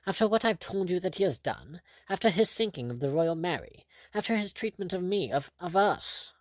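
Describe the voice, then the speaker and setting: A man voicing a haughty, excitable, indignant lord with a pompous, exclamatory way of talking, in an audiobook adventure tale. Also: mid-range voice, moderate pace, no echo, pitched above the performer's own voice, close to an everyday voice. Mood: outraged, excited.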